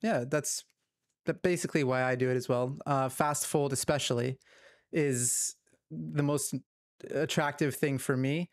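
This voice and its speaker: A young man hosting a podcast, asking interview questions in a relaxed way with fillers. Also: mid-range voice, unhurried, no room sound, clean studio sound. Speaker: podcast host. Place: home streaming room. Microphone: headphones and studio mic.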